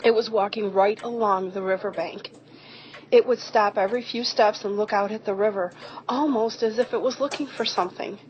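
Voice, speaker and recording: A friendly rural woman acted by a woman in an audio drama, giving her account as an eyewitness. She speaks in a folksy, descriptive way at a middling pitch. The recording is dull and carries some faint noise. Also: steady tone, moderate pace, close to an everyday voice. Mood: earnest, awed. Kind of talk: amateur audio drama acting. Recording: muffled, noisy home recording.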